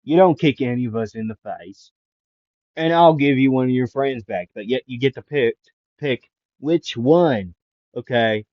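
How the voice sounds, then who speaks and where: Smug villain magician with a put-on Italian mob voice, done by a man; unhurried taunts, muffled lo-fi recording. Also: medium pitch, dry recording, close to an everyday voice. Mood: bargaining. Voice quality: mock Italian mafia-style voice.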